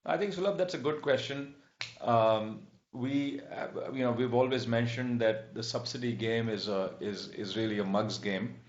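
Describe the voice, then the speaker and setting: A male executive speaks in an echoey, slightly dull conference-call recording. His mid-pitched voice explains business matters in a measured way, often halting as he searches for the next phrase. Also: a little hiss or hum. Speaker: telecom company executive. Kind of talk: earnings call answers.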